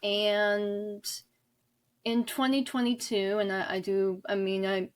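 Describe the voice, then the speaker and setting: Woman, twenties, interview guest. Thoughtful, halting delivery, feeling for each phrase. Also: mid-range voice, level tone. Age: 20s. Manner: halting, searching for words. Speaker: guest author and audio drama creator. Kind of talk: reflective interview talk.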